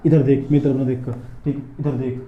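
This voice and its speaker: A man's voice: medium pitch, flat delivery, a little fast, echoey room, dull audio. A man teaching physics in a classroom lecture, repeating points and drilling his students with questions and answers.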